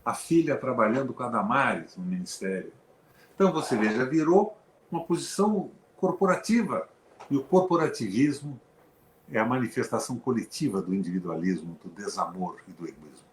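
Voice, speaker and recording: A man's voice: mid-range voice, a little fast, slight background noise. An older Brazilian man, a former senator, talking politics in an emphatic, sarcastic way. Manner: emphatic, animated, with sarcastic asides. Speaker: former senator, show host. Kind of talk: political conversation. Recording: echoey room.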